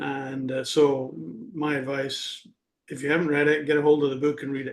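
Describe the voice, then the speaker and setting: In a Scottish accent, a man with a fairly high pitch speaks at a moderate pace with monotone, flat intonation. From Scotland. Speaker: business executive. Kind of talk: casual chat. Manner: halting.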